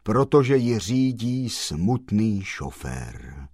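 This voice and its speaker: A man voicing a gloomy, black-clad gentleman who speaks slowly in a hollow, sepulchral voice. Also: mid-range voice, big pitch swings, no echo, clean studio sound. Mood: mournful.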